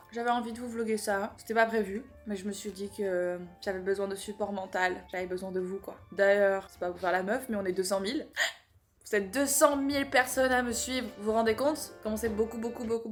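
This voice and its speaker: A woman in her twenties talking casually to camera in a playful, bubbly vlog, teasing and exaggerating. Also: mid-range voice. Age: 20s. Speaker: vlogger.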